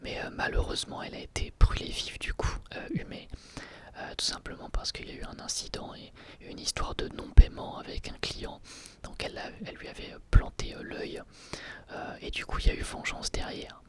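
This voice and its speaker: An ASMR creator whispering an episode review, hesitant and full of fillers and restarts. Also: a little fast. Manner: soft, breathy whisper throughout.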